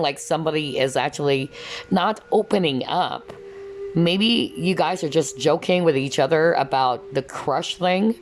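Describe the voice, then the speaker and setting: A low-pitched woman talks through a tarot reading in a loose, rambling way. She keeps circling back to what she is sensing, and her voice has turned hoarse from long talking. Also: slight background noise. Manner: rambling, repeats "that's what I'm hearing". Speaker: tarot card reader. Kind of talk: casual pick-a-card tarot reading.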